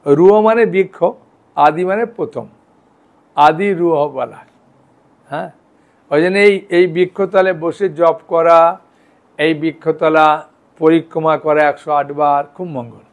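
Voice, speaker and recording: A man's voice: on the high side, unhurried, long pauses. A man giving a devotional lecture as a monk. He talks in a conversational, reassuring way and often checks in with his listeners. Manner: conversational, reassuring, checks in with "hyan" and "thik ache".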